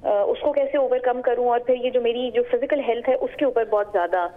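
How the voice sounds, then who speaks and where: Female caller with a Pakistani Urdu accent, higher voice, earnest, heard through a tinny phone line. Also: fairly quick. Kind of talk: phone-in question.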